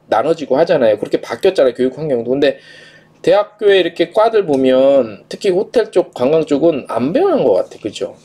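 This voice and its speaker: A man's voice: fairly high pitch, darkish tone. A man, hosting a live stream as a journalist, giving opinions casually, answering viewer comments and posing questions to himself. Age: 40s. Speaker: live-stream host, travel industry journalist.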